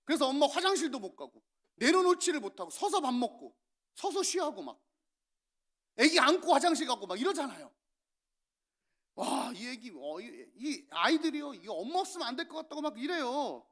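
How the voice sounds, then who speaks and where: A male pastor preaching a sermon, telling stories with lively acted-out lines of parents and children. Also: extremely high pitch, moderate pace. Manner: animated storytelling, acting out parents and children.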